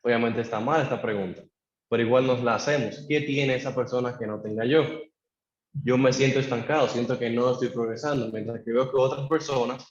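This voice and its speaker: A man preaches a sermon, voicing a worshipper's pleading questions to God and calling the congregation to repeat after him. His medium-pitched voice rings through an echoey church. The recording is dull and low-fi. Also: fairly even intonation, a little fast. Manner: acts out a believer's pleading prayers to God; leads the congregation in call-and-response.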